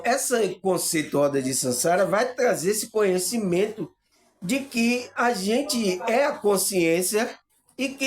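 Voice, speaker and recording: A man with a Bahian Brazilian accent gives a spiritual teaching monologue to his viewers, often pausing on hesitant fillers and checking whether they understand. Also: high-pitched. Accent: Bahian Brazilian Portuguese. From Salvador, Bahia, Brazil. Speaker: spiritual video host.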